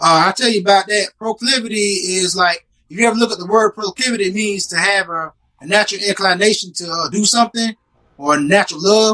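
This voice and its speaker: In a raised, projected voice, a man with a high pitch and ordinary pitch variation talks at a fairly quick pace, the sound dry and close with no echo. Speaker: independent musician and entrepreneur. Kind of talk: casual interview.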